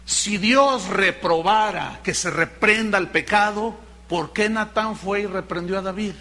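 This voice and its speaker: High, bright-voiced preacher. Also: male voice, a little slow. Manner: rhetorical, questioning, dramatic. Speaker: pastor. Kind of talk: sermon.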